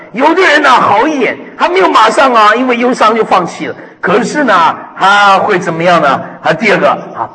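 A middle-aged man preaching a sermon as pastor, lively and emphatic, dropping hallelujahs and amens between points. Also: sits high. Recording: echoey hall with long reverb.

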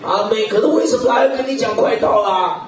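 A man preaching a sermon in an animated way, peppering his talk with hallelujah and amen, chuckling often and sometimes bursting into shouts. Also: high voice, a little fast, over a noisy crowd. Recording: echoey hall, distant mic, dull lo-fi.

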